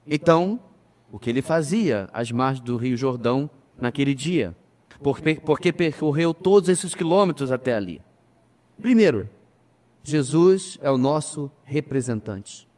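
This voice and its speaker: Emphatic pastor preaching in a reverberant church. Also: male voice, medium pitch, animated, a little mellow. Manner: addresses the congregation as brothers, emphatic with slow pauses. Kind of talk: sermon.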